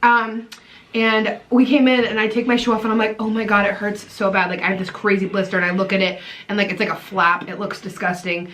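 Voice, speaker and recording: A woman's voice: mid-range voice, flat delivery, a little fast, fairly bright tone. A young woman vlogger in casual chat with her boyfriend, playful and teasing, telling stories with acted-out quotes.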